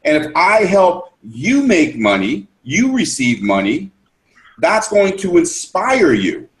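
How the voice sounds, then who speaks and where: A man's voice: a little high, wildly swooping pitch, slow pace. A man explaining a business system on a group call, enthusiastic and repetitive, restarting his sentences often.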